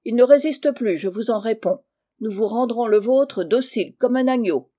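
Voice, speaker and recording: A woman doing a gruff greedy schoolmaster. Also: medium pitch, expressive, normal speed, warm tone, natural voice. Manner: gruff and blunt. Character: gruff greedy male schoolmaster, stern and blunt.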